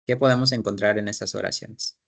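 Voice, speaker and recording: A man's voice: lowish voice, fairly even intonation, brisk, creaky, fairly bright tone, breathy edge. A man teaching an English class, explaining grammar in Spanish, repeating his students' sentences and asking guiding questions.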